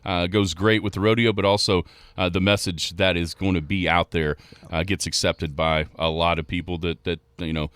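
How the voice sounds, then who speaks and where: A man's voice: deep voice, flat delivery, moderate pace, hardly any pauses, a bit bright, clean tone, dry recording. A man hosting a sports radio show, chatting in an easygoing, joking, rambling way as he runs through scores.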